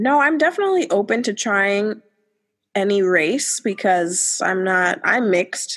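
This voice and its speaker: A plain, everyday voice with an American accent speaks at a fairly slow pace, with very even loudness and lively intonation. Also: woman, medium pitch for a woman. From New York City. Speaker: interview guest. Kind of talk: interview.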